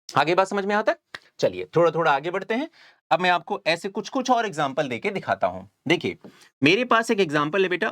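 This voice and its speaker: A man giving a step-by-step chemistry lecture and often checking that his students follow. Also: high voice. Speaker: chemistry teacher. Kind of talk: whiteboard lecture.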